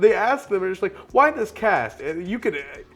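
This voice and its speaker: Over background music, a man with a high pitch talks in an animated tone at a fairly quick pace. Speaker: movie podcast host. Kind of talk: casual chat.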